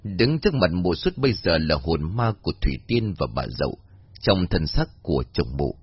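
A man narrating a horror story in a dramatic, expressive way. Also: deep voice, moderate pace, husky, dry recording. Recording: dull lo-fi audio, faint music.

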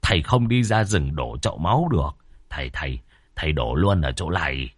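A man's voice: rumbling low, animated, a little fast, husky, voice pushed down, full character voice. A man voicing a frightened middle-aged male village healer in a spoken horror story, stuttering and panicky. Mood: stammering fright. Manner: stammering, panicky.

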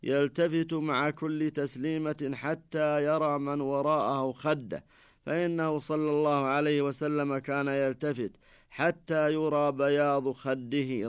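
A man presenting a radio lesson on Islamic law, reading texts in a measured, formal manner. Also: mid-range voice, clear, resonant tone, no echo. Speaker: Islamic scholar presenting a jurisprudence program. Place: radio studio.

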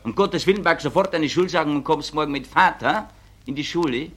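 A man's voice: fairly high pitch, fairly quick, a bit bright. A man voicing a scandalized female schoolteacher who stutters. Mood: scandalized scolding.

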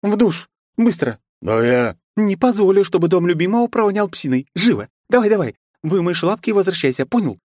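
A man's voice: big pitch swings, fairly quick, few pauses, a little mellow, no room sound, clean studio sound. A man doing a bubbly, bossy young wife. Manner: high, gushing and bossy. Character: bubbly, pushy young woman, vampire wife.

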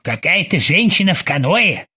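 Guy doing a sarcastic husky captain, dry jokes, lively up and down. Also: sits high, moderate pace, exaggerated voice. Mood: ironic. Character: dry, ironic male ship captain.

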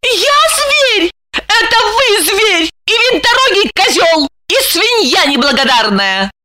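A woman reader voicing a frightened, hysterical young woman who shrieks and sobs in a very high voice. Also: big pitch swings, takes it slowly, heavy background noise, exaggerated voice. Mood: furious. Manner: shrill, tearful, shrieking.

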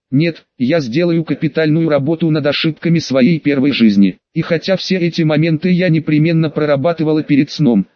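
A man reading a first-person audiobook aloud, measured and lightly ironic in his storytelling. His voice sits a little high for a man. The sound is dry and close, and the recording is somewhat dull and lo-fi. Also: a little mellow, no room sound. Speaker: audiobook narrator.

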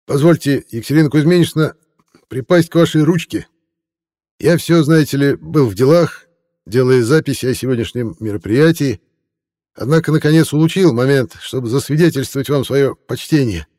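A man's voice: medium pitch, moderate pace, darkish tone, pitched above the performer's own voice, close to an everyday voice. A man voicing a tipsy, insolent newspaper reporter who slurs and mocks in old-fashioned phrases. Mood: fawning. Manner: slurring, mocking, pompous old-fashioned phrasing. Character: drunken, insolent young male newspaper reporter.

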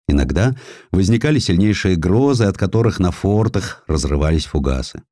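Low-voiced, expressive male audiobook narrator. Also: no echo, studio quality. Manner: expressive, measured delivery with weighty pauses. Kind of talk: dramatised historical narration.

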